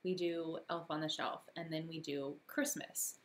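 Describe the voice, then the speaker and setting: A woman in her thirties talks casually through a home live stream, relaxed and laughing easily. Her voice sits on the lower side and sounds a bit worn, as if she is losing it. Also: normal speed, slight background noise.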